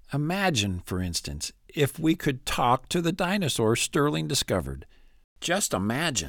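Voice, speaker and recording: A man's American-accented voice with vocal fry and very wide pitch swings, at a moderate pace, on a very clean recording with a silent background. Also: medium pitch for a man. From Mesa, Arizona. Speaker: podcast host. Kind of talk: scripted narration with banter. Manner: wry, humorous.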